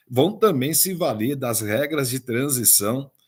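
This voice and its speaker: A man is speaking. His pace is very slow. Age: 50s. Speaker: retirement law advisor. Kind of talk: live stream Q&A talk. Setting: live stream. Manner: casual, conversational.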